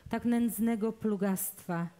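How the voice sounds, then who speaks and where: A woman, an actress, reading a novel aloud in a measured, dramatic storytelling manner, outdoors in a public garden. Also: medium pitch, warm tone. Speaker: reader, actress.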